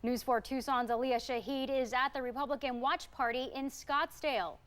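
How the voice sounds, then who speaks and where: A woman's voice: high voice, fairly even intonation, normal speed, fairly bright tone. An American woman presenting as a television news anchor in a polished style.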